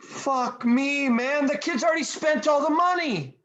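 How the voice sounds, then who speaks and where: A woman's voice: high-pitched, measured pace, a bit bright, highs cut off. A woman playing a laid-back, grumbling male slacker who swears casually in a script table read. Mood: dismayed. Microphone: video call.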